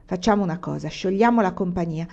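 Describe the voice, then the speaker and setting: A woman's voice: fairly low pitch, fast talker, vocal fry, warm tone. A woman reading the part of a cautious male bandit captain giving a solemn warning. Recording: dull lo-fi recording.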